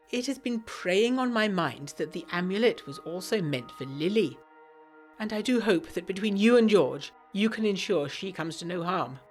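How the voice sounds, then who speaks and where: An actress playing an earnest, anxious 1920s English gentlewoman, reading her letter in a formal, genteel and fervent manner for a gothic audio drama. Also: mid-range voice, close to an everyday voice.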